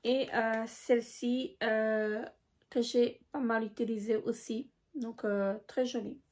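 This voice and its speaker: Hesitant woman vlogger, slightly high voice. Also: flat delivery, a little mellow. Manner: hesitant, many filler pauses. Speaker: beauty vlogger. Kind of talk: casual show-and-tell vlog.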